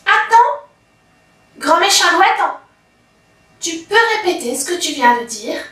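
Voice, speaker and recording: A woman's voice: very high-pitched, very animated, measured pace, sharp tone, voice pushed up, full character voice. A woman voicing a small, sly white rabbit who fusses and gives orders, in a storybook reading. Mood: surprised. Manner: fussy, bossy instructions. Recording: very echoey room, from far off.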